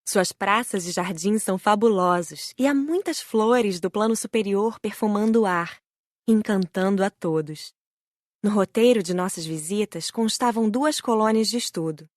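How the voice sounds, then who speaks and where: A woman with a Brazilian Portuguese accent reading a spiritual book aloud as a first-person narrator, gentle and admiring. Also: mid-range voice, moderate pace, no echo, clean studio sound. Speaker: audiobook narrator.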